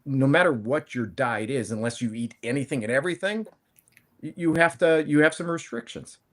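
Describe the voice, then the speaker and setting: This time the man's mid-range voice is brisk with a fairly bright tone. A panel guest in his fifties who runs a plant-based food company, he shares his story in casual, rambling talk marked by restarts and self-corrections.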